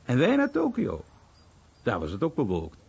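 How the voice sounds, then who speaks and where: A man playing an American war veteran who soberly recalls his bomber days in a radio drama monologue, in a husky voice. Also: medium pitch, huge pitch swings, moderate pace, a little mellow, exaggerated voice. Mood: narrating. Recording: slightly dull radio recording.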